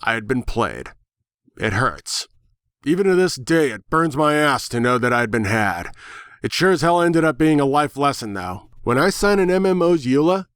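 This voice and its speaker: A man narrating a first-person story dramatically, with sardonic, expressive delivery, recorded close in a dry space. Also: fairly high pitch, clear, resonant tone, no room sound. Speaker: fan fiction narrator.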